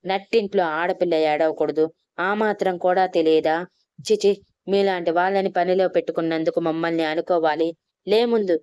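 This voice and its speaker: A woman's voice: fairly low pitch, fairly even intonation, moderate pace, darkish tone, smooth, no echo, clean studio sound, lightly acted. A woman doing a haughty scolding rich mistress. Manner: scolding, irritated.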